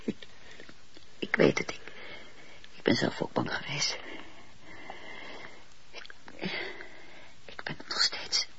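Slow, pleading, tender wife. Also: female voice, sharp tone. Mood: pleading, afraid. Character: tender, pleading, fervent wife, earnest and fearful. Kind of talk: Dutch radio play acting. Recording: dull, noisy old radio play tape.

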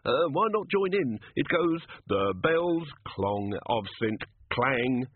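A man voicing a small, nervous male gnome who talks high and eagerly, desperate to please, in a storybook reading. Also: lively intonation, moderate pace, slight background noise, natural voice. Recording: tinny, phone-like narrow sound.

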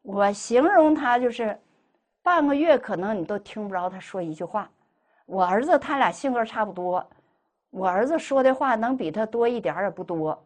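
A woman's voice: on the high side, normal speed. A middle-aged woman tells a personal testimony as a Buddhist lay speaker, acting out the dialogue she quotes. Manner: animated, acts out quoted dialogue.

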